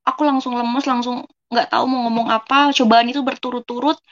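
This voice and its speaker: A young woman from West Java, Indonesia, shares a casual personal testimony, speaking earnestly and calling her listeners friends again and again. Her voice is a little high and steady in tone, her pace slightly quick, and she acts out bits of dialogue. The recording sounds muffled.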